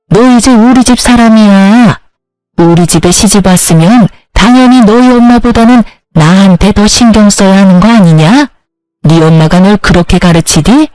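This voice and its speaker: A woman's voice: medium pitch, a little mellow, dry recording, close to an everyday voice, rough recording. A woman reading as a spiteful scolding mother-in-law. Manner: insulting, contemptuous scolding.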